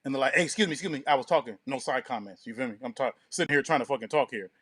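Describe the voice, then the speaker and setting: Male co-host, mid-pitched, casual and profane, slangy, acts out quotes, recorded very dry. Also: very fast, a bit bright, slightly rough, no room sound. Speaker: podcast co-host. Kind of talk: casual chat.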